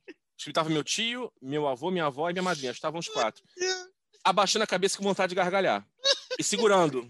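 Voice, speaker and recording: Guy on a podcast telling a funny family story, high voice, jumps all over, acts out voices. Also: no room sound, clean studio sound. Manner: animated, acts out voices while telling stories. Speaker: podcast co-host. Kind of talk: casual comedic storytelling.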